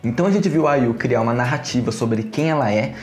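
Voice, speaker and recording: A man's voice: mid-range voice, quick pace, faint music behind. Young man explaining eagerly in a roomy room. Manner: animated, gestures a lot while explaining. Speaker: video essay host. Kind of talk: casual explanatory vlog. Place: small room at home, brick wall behind.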